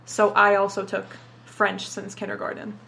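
This poor-quality recording, with slight background noise, captures a young adult woman speaking at a normal speed in a medium-pitched, gravelly voice that sounds pushed and bright yet completely flat in delivery. She grew up in Dubai, speaks Arabic as her first language, and swears a lot while saying "like" throughout a casual interview.

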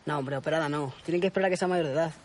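An actor playing a quick-tongued, defensive young man at a summer camp, firing back sharp, exasperated retorts in film dialogue. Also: a little high, natural voice. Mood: bickering.

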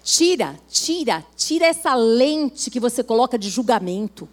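Woman, Brazilian Portuguese accent, high voice, earnest exhorting sermon. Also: sing-song, a little slow. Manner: earnest, exhorting, acts out quoted dialogue. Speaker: preacher.

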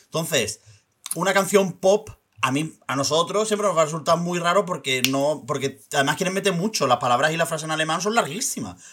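A man with an Andalusian accent chats on a podcast, tossing in jokes as he goes. His voice is bright and forceful and sits a little high. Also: a little fast, husky. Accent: Andalusian Spanish. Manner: chatty, joking asides. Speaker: podcast co-host. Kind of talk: casual chat.

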